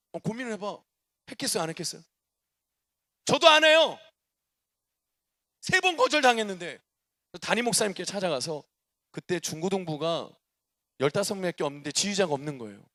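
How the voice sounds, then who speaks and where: A man preaching a testimony sermon as a guest preacher. His delivery is animated, with loud declarations and soft asides. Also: very high voice. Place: church sanctuary.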